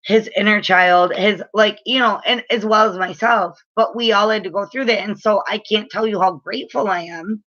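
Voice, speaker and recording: A spiritual reader and energy healer in her late thirties gives frank, chatty advice to the camera, packed with filler words. Her mid-range, fairly bright voice moves at a moderate pace with hardly any pauses, and the sound is lo-fi.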